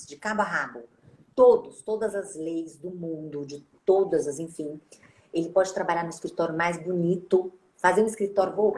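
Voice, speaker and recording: A Brazilian Portuguese woman talks in a lower register, chatting as a speech therapist host. She is animated and slips into playful quoted lines. The sound carries a noticeable room echo. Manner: animated, acts out quoted greetings. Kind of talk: casual interview chat. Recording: echoey room.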